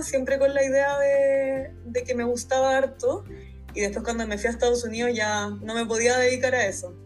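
A woman in her twenties with a Chilean accent, talking casually about herself as a guest on a podcast. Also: a little high. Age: 20s. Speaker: podcast guest, speech therapist. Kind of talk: casual personal storytelling in an interview.

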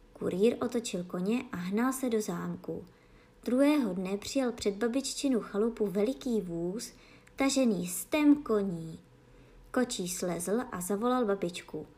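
A woman reading a fairy tale aloud as a bedtime story, gentle and expressive. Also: medium pitch.

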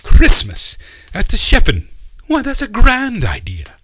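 A man voicing an eccentric, excitable old uncle who rambles in a fussy, theatrical way. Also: medium pitch, unhurried, breathy edge, dry recording, pitched above the performer's own voice, full character voice. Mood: excited.

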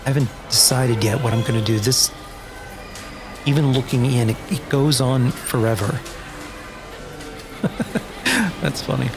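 A man's voice: mid-range voice, lively intonation, unhurried, gravelly, long pauses. Man acting a sardonic wasteland survivor over music. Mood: guarded, brooding. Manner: dry, wry, guarded. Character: sardonic, grudge-bearing male post-apocalyptic wasteland survivor. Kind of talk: dark humor audio drama acting. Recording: music under the voice.

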